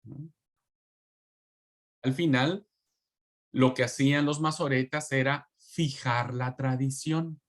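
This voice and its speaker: Slow, halting male Bible teacher. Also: medium pitch, fairly even intonation. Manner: slow, halting, repeats words and asks rhetorical "¿no?"; calls listeners "hermanos". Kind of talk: online class lecture.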